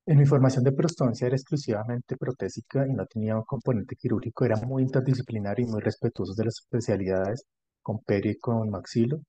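Man, Colombian accent, mellow tone, mid pitch, measured, explanatory, conversational interview guest. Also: slightly rough, no echo. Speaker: podcast guest, dentist specialised in prosthodontics and implants.

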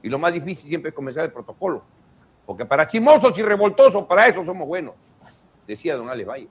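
A man's voice: a little high, sing-song, fast talker, breathy edge. A man telling a long stand-up joke theatrically, putting on voices for the characters. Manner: theatrical storyteller who puts on voices for characters. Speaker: comedian.

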